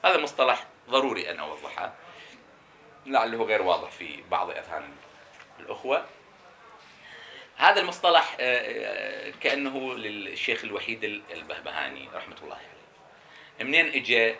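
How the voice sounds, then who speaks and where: A man's voice: fairly low pitch, sing-song, creaky, pushed and bright, slight background noise. A man teaching a seminary lecture on jurisprudence, explaining emphatically and answering his own questions. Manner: repeats key terms slowly for emphasis.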